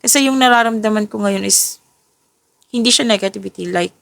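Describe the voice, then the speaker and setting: Tired woman with a gravelly voice. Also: medium pitch, fairly quick, fairly bright tone, dry recording. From Philippines. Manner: self-correcting, restarts and rephrases as she goes. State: tired, voice a little off. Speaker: tarot reader. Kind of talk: casual tarot reading, mixing English and Tagalog.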